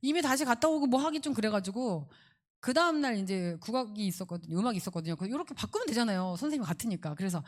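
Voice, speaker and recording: A middle-aged woman giving a parent education lecture, animated and acting out children's voices as she explains. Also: on the high side, fast.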